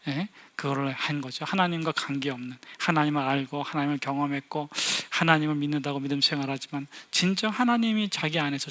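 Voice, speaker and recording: A man preaching a Sunday sermon as a pastor, animated, with sudden loud emphasis and quick voiced asides. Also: on the high side. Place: church sanctuary.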